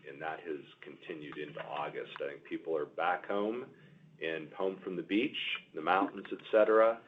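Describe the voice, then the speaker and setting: A man answering questions as a company executive on an earnings call, halting and repeating words as he explains. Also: low voice, a little hiss or hum. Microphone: conference call line. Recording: muffled narrow-band conference call audio.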